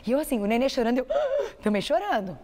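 A woman's voice: a little high, animated, rapid-fire, dark tone, in a large hall. A woman hosting a TV talk show, talking effusively, telling personal anecdotes and addressing the audience.

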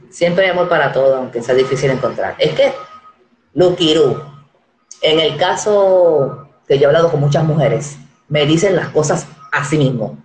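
A woman in her forties hosting a casual live-stream chat, animated and acting out the voices she quotes. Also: low-pitched, measured pace, roomy sound, slight background noise, rough recording. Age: 40s. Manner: animated, acts out quoted voices, repeats words.

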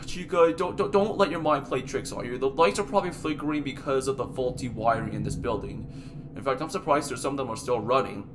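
A performer as a calm, sensible male bear animatronic. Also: mid-range voice, brisk, noisy background, natural voice. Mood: skeptical. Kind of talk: amateur character skit, animated voice acting.

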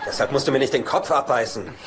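An actor playing a sarcastic, wisecracking brother in a dubbed sitcom, glib and mocking. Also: male voice, medium pitch, quick pace, lightly acted. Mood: teasing. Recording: noisy sitcom soundtrack with studio audience laughter.

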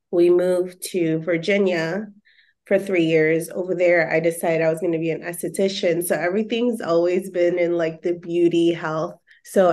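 Chatty thirty-something woman, lower voice. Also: a little mellow. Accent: American. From Okinawa, Japan, and the Philippines. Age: 30s. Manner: chatty, laughs often, many "like" fillers. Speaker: podcast guest, bikini bodybuilder and personal trainer. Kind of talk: casual interview chat. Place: home living room, indoors. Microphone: earphone mic on a video call.

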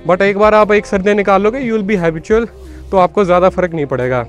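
Fast-talking high-voiced young man vlogging. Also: faint music behind. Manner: chatty, mixes Hindi with English, calls viewers "bhai". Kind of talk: casual walking-tour vlog. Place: snowy city street outdoors.

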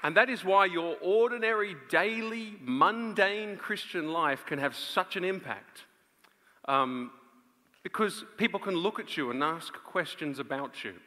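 A man in his thirties preaching an earnest, emphatic live sermon with dramatic pauses on a large auditorium stage. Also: on the high side, bright, forceful tone. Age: 30s. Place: on stage in a large theatre before an audience. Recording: reverberant large auditorium sound.

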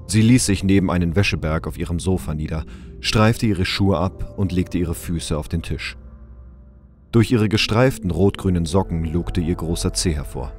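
A man's voice: deep voice, a little mellow. A man reading scripted narration as the storyteller of a radio drama.

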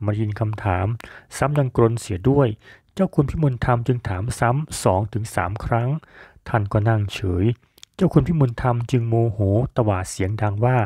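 A man tells an old folk tale in a calm, measured storytelling voice. His tone is mellow and relaxed. The recording is dry and close. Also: medium pitch, no echo. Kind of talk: storytelling narration.

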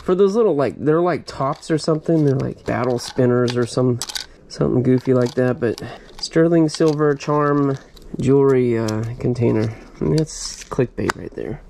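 Excitable man sorting junk on camera. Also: mid-range voice, moderate pace, creaky. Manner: excited exclamations over finds. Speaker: storage unit reseller. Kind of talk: casual unboxing commentary. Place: storage unit. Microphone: head-mounted action camera. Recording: noisy storage unit recording.

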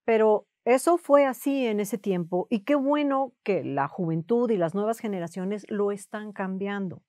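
Guest, woman, calm and measured, close dry mic. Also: medium pitch, no room sound. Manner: calm, measured, avoids swearing. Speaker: guest, therapist. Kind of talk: casual conversation.

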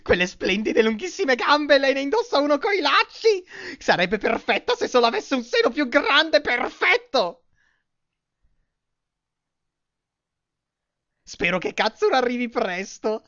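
A man acts out an excitable, girl-crazy teenage schoolboy from an anime fan dub. His delivery is melodramatic and highly animated, swinging from outbursts to hushed lines. The recording is dull and lo-fi. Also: normal speed, heavily acted. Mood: excited, lustful.

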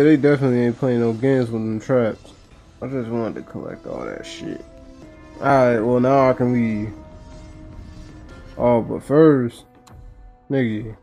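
A man's voice: mid-range voice, warm tone. A man giving casual, slangy and profane commentary while playing a video game. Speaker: gaming video host. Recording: faint game music behind.

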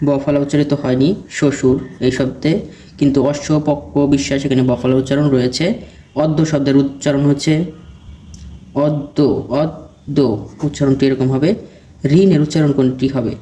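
Man reciting exam answers, mellow voice. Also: mid-range voice, fairly quick, slight background noise. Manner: steady question-and-answer recitation. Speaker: exam prep teacher. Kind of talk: reading quiz questions and answers.

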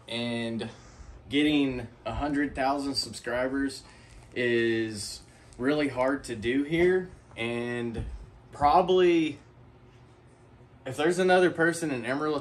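A man's voice: mid-range voice, distant mic. A man hosting a casual vlog, folksy and heartfelt, laughing often as he talks. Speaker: channel host.

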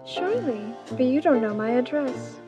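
A woman plays a charming, artful society lady in an old radio drama. Her voice is high and polite, with music playing clearly behind it. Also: animated, normal speed. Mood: gracious charm. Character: charming, poised society lady, slyly flirtatious. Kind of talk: 1930s radio drama acting.

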